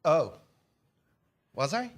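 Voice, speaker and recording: A man's voice: a little high, big pitch swings, extremely slow, exaggerated voice. A man playing a goofy, dim, eager sidekick in a staged comedy reading, earnest and given to stammering and bellowing. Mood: sheepish, earnest. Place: live staged reading in a church.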